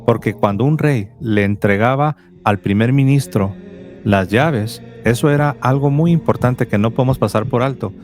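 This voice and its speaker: A man from Tijuana with a Mexican Spanish accent, hosting a Catholic call-in show and explaining doctrine in a steady teaching tone. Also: medium pitch, normal speed, faint music behind. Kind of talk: apologetics call-in talk.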